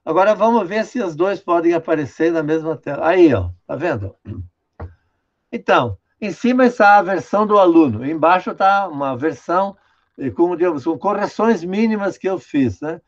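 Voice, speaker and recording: Older man, from Brazil, linguistics professor, fairly high voice, patient explaining, lo-fi call sound. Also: animated, normal speed. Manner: patient, explanatory, many "né?" tags, directs the screen operator. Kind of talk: online lecture, commenting on a student text. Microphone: video call. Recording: dull lo-fi video call audio.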